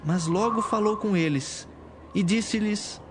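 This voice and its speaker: Male Bible narrator, slightly high pitch, solemn reading style, soft music bed behind. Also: slow pace.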